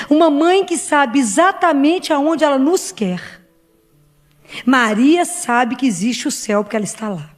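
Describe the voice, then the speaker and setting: A middle-aged woman preaching a heartfelt sermon to her congregation. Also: sits high. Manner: earnest, heartfelt, speaks directly to the congregation.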